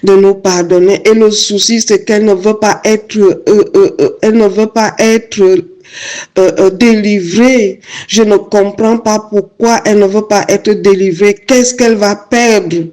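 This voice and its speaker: A woman's voice: mid-range voice, fairly even intonation, a little slow, a little mellow. A woman giving a prayerful testimony, hesitant and full of fillers as she searches for words.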